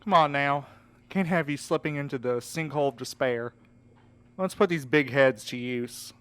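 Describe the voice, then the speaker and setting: A man's voice: medium pitch, normal speed, a bit bright, clean tone, natural voice. A man playing an easygoing, encouraging courier in an audio drama, earnest, casual and coaxing. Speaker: voice actor in a fiction podcast. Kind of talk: scripted audio drama acting.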